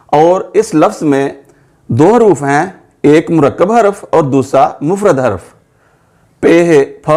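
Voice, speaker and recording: Slow, methodical male Urdu teacher. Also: on the high side, darkish tone. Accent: Pakistani Urdu. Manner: spells words out letter by letter, stretching example words. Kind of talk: slow, methodical spoken lesson.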